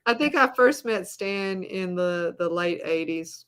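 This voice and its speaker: A woman's voice: lowish voice, expressive, measured pace, a bit bright, clear, resonant tone. A middle-aged woman, a guest on a video call, telling stories in a rambling, casual way. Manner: rambling storyteller with many fillers and restarts. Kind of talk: casual interview chat.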